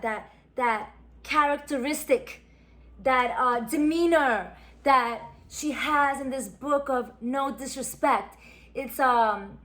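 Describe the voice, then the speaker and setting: A woman's voice: high-pitched, a bit bright. A woman, chatting casually and reminiscing as she unboxes a subscription box. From New York. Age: 40s. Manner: chatty, reminiscing, musing aloud. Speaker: beauty vlogger.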